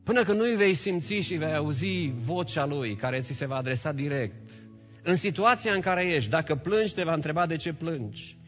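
Male pastor, sermon delivery, forceful and bright, loud peaks and quiet drops; dull recording with long church-hall reverb. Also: lively intonation, faint music behind. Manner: preaching with strong swings between loud calls and hushed, low lines.

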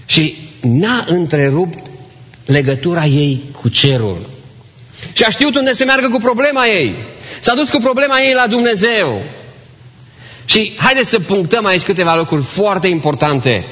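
A man preaching a sermon in a church, with a voice pitched a little higher than most men's. He keeps asking his listeners rhetorical questions and slips English phrases into his talk. The sound rings with the long reverb of a church hall. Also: lively intonation, sharp tone. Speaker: pastor.

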